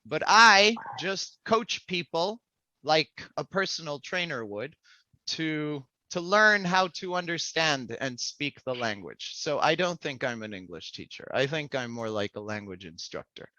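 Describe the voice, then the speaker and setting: A man from Mexico hosting a spoken English class as a language trainer, giving deliberate, instructive prompts. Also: fairly high pitch, sing-song, sharp tone, dry recording, highs cut off. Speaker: language trainer, podcast host.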